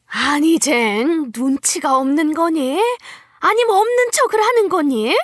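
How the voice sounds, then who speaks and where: A woman voicing a scheming, scornful older mother-in-law in a dramatized story, nagging with drawn-out emphasis. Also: high voice, animated, no echo, studio quality, voice pushed up.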